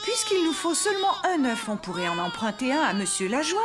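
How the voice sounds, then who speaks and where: A woman voicing a gentle, practical young mother in a children's cartoon, guiding her child. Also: sits high, big pitch swings, fairly quick, music in the background. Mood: concerned, helpful.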